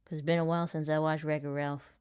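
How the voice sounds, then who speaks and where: A chatty woman with a small, light voice, laughing easily and poking fun at herself as she thinks out loud. Her voice sits a little low for a woman and sounds close and dry, with no room around it. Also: little pitch movement, fast, smooth, dry recording, dull audio. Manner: giggly, chatty and self-deprecating, thinking out loud. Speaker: aspiring voice actor and content creator. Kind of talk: casual vlog talk while practicing voice lines.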